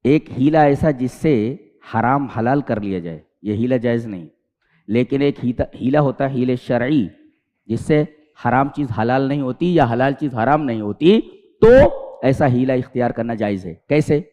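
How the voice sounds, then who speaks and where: A male Islamic preacher giving a sermon of Quranic commentary. He recites Arabic verses and explains them, retells stories with acted speech, and swings between loud emphatic peaks and quiet low asides. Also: long reverb tail.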